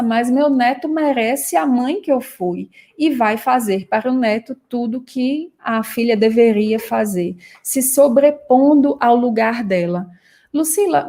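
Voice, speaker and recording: A woman with a Brazilian Portuguese accent, a psychoanalyst calmly explaining ideas with everyday examples in a live talk. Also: fairly high pitch.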